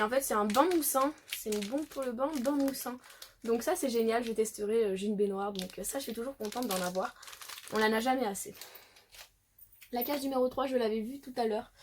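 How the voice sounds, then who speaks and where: Chatty woman with a higher voice. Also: a little hiss or hum. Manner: chatty, thinking aloud with many fillers. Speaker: beauty vlogger. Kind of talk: casual unboxing chat.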